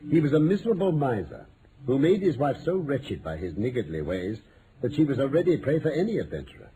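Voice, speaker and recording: Mellow, expressive British detective. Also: male voice, mid-range voice, fairly quick, dull audio. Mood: grave, dramatic. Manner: theatrical, articulate, lecturing. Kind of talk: 1940s-50s radio mystery acting. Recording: noisy old-time radio recording.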